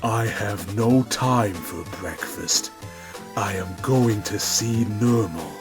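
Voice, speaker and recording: A man's voice: lowish voice, slow pace, music in the background. A man voicing a macho, pompous, menacing cartoon cat in a storybook narration, with a bombastic and wordy manner. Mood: stern, dismissive. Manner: bombastic, verbose, threatening.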